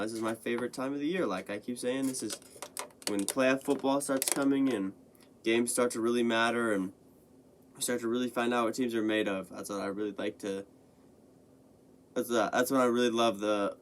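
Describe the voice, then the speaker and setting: A young man hosting his own sports podcast, talking casually and rambling with lots of fillers and restarts, his voice a little hoarse after being sick. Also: medium pitch. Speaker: podcast host. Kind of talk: casual sports commentary monologue.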